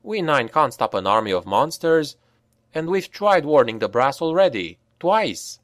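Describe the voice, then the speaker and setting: A man's voice: fairly high pitch, very animated, a little slow, fairly bright tone, dry recording, voice pushed up. A man voicing a weary male mercenary leader with a dry, sardonic manner. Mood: wry.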